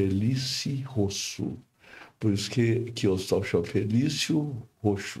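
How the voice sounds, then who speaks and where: In audible room echo, a man with a somewhat breathy voice speaks very slowly at medium pitch, with ordinary pitch variation and very even loudness. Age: 70s. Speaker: pediatrician. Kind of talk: interview conversation. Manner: halting, with repetitions.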